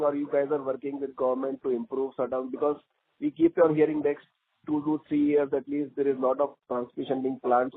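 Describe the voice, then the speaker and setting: A man's voice: a little high, husky. A man, an investor calling in with questions on an earnings call. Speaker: caller, investor asking questions. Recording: muffled, narrow phone line.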